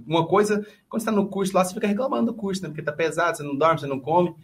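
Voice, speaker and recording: Man, police officer, fast, slangy casual chat. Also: sits high, steady tone. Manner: rapid, slangy storytelling.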